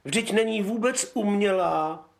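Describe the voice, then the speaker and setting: A man's voice: high voice, vocal fry, pitched above the performer's own voice. A man voicing a spoiled, petulant young princess in a fairy tale, whiny and fussy.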